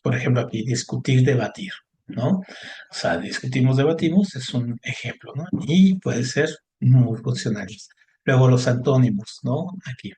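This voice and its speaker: A man's voice: mid-range voice, animated, normal speed, a little mellow. Man teaching a lesson. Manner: explanatory, frequent tag questions and fillers. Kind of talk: online class lesson.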